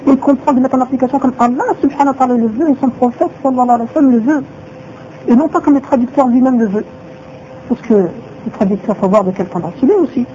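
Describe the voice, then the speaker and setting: A woman's voice: sits high, quick pace, warm tone, a little hiss or hum. A woman teaching a religious lesson who repeats her phrases and asks rhetorical questions, on a dull lo-fi recording.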